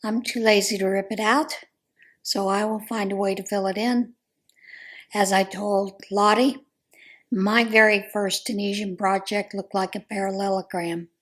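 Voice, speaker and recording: Hoarse, chatty American woman vlogger. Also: mid-range voice, flat delivery, a little slow, a bit bright. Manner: chatty, rambling, with frequent ums. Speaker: crochet vlogger. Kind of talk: casual chat.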